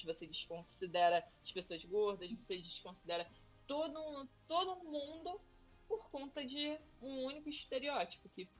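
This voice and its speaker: A Brazilian woman, a teacher, talking animatedly in a casual podcast discussion. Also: medium pitch. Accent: Brazilian Portuguese. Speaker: podcast panelist. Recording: dull lo-fi audio.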